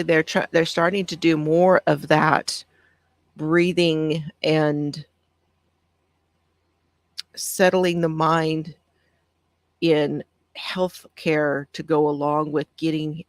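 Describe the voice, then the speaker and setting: A woman with a soft, calming voice talks gently through breathing exercises on a live stream. Her tone has a slight gravelly edge, and the sound is dry and close. She pauses often and answers viewers as she reads along. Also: low-pitched, no echo. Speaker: craft channel host.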